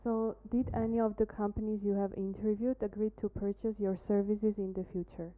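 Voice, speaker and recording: A woman's voice: mid-range voice, level tone, a little fast. A woman moderating a Q&A session, plainly reading out questions to a presenter. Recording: phone-like narrow band.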